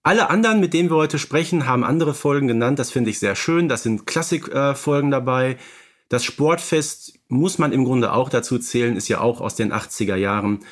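A man's voice: medium pitch, a little fast. A man co-hosting a podcast in casual discussion, appreciative and feeling his way through his phrasing. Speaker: podcast co-host.

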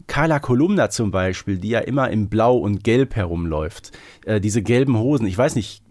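A fairly low-pitched man co-hosts a podcast, speaking at normal speed in an animated, slightly mellow way and often adding tag questions to his loose, casual talk. The sound is studio quality with no echo.

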